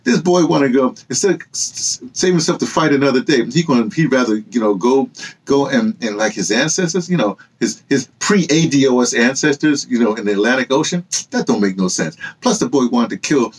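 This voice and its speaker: Older American male, husky, highly animated delivery, emphatic unscripted commentary full of rhetorical questions. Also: brisk. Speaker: vlogger and activist commentator. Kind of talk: impassioned off-the-cuff opinion monologue. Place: small cluttered indoor room with books and hanging fabrics.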